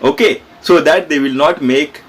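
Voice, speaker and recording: A man's voice: on the high side, normal speed. A man with an Indian accent teaching a history lesson, explaining step by step, repeating phrases and often checking in with his students. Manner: repetitive, asks questions and checks in with students.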